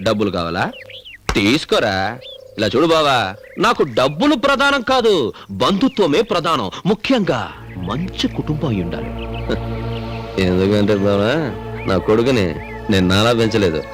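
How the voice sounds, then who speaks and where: A man's voice: medium pitch, sing-song, moderate pace, long pauses, over music, close to an everyday voice. An actor playing a boastful, pushy village elder arranging his son's marriage in a film comedy. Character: boastful rich village elder, groom's father. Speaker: film character.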